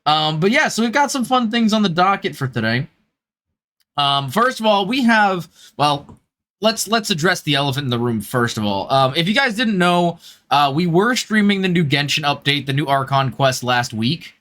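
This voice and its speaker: A man with a fairly high voice and very animated intonation hosts a gaming livestream. He talks casually to his chat, joking around in loose slang and the odd swear word. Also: normal speed. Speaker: streamer and host of a live gaming stream.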